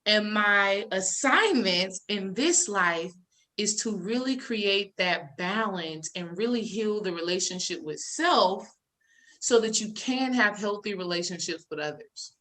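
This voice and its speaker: A woman's voice: mid-range voice, expressive, measured pace, sharp tone. A woman in spiritual conversation, speaking in an effusive, affirming way.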